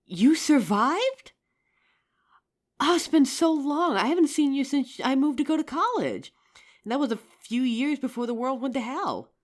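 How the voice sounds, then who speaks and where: In a roleplay audio drama, a woman voices an injured young survivor of a zombie apocalypse, her voice pitched high and very animated. Her delivery is halting and emotional, sounding amazed and relieved.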